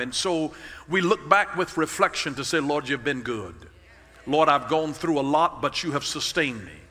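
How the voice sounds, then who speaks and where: A man talks in a bright, sharp tone. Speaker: preacher. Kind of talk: sermon. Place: church. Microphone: headset.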